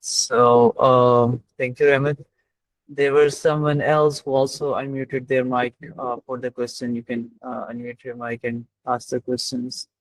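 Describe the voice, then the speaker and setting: A man's voice: medium pitch, flat delivery, measured pace, no echo, poor audio. A man with a South Asian accent hosting an informal online discussion, tentative and often saying "like". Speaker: host of online community session. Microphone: online voice call.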